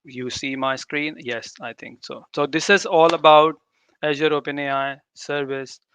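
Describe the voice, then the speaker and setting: A man's voice: a little high, fairly even intonation, moderate pace, fairly bright tone, smooth, no echo. A man whose native language is Urdu gives an informal live tech demo, often repeating and rephrasing himself. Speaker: tech presenter. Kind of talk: live demo talk to developers.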